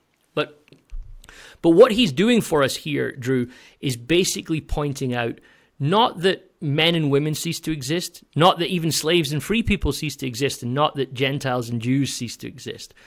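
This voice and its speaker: Fairly high-pitched man with a Scottish accent, moderate pace, ordinary pitch variation, very clean recording with a silent background. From Scotland. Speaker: pastor and theologian. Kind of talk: teaching interview.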